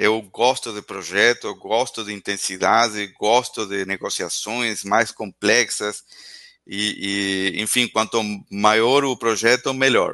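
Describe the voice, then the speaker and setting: A man with a Spanish accent at medium pitch, his tone bright and sharp, his pace very slow, over a quiet background. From Argentina. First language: Spanish (speaking Portuguese). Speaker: entrepreneur and podcaster. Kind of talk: interview. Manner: hesitant with many repetitions.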